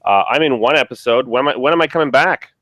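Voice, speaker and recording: A man hosting a casual podcast chat about a tabletop game, relaxed and rambling, with many fillers and restarts. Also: mid-range voice, quick pace. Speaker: podcast host.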